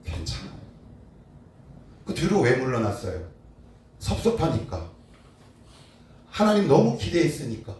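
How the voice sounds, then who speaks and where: A male pastor preaching a sermon, asking his congregation rhetorical questions and swinging between loud and soft. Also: medium pitch, huge pitch swings, a little slow, pauses often. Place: church sanctuary. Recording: very echoey hall, distant mic, faint noise.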